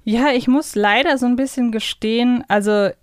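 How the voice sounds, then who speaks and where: A woman's voice: on the high side, fairly even intonation, normal speed, clear, resonant tone, no echo, studio quality. A woman co-hosting a casual podcast, talking in a conversational, reflective way and sharing her opinions. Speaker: podcast co-host. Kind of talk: casual discussion of a children's audio series.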